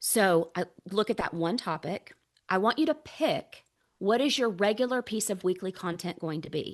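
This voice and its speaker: A woman with a Southern US accent talks at a moderate pace in an animated tone with lively intonation over a quiet background. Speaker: visibility and list growth strategist. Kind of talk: webinar talk.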